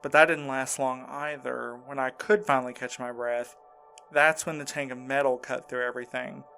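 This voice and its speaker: Casting: male actor for shaken, earnest man in an audio drama, mid-range voice, halting and defensive delivery, music underneath. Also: medium pitch, gravelly, a bit bright. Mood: shaken, recollecting. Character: shaken, insistent man recounting a frightening ordeal. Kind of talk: audio drama acting, first-person recounting.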